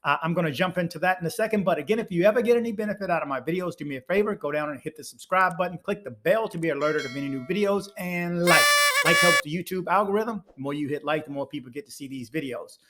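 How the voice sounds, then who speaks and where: Higher-voiced man hosting a YouTube channel. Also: quick pace, few pauses, fairly bright tone, a little hiss or hum. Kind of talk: casual video intro to camera.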